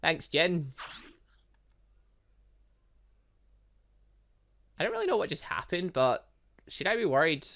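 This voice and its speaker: A man's voice: a little high, huge pitch swings, fairly quick, creaky, a bit bright, a little hiss or hum, full character voice. A man voicing an awkward, earnest, bewildered young male student in a visual novel game, hesitant and flustered. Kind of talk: visual novel game dialogue read aloud.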